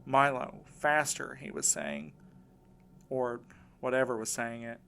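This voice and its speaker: Man playing rattled audio drama survivor, insistent, halting, earnest, medium pitch, music behind. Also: big pitch swings, vocal fry, a bit bright, a little hiss or hum, full character voice. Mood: shaken, urgent. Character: shaken, insistent man recounting a frightening ordeal. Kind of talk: audio drama acting, first-person recounting.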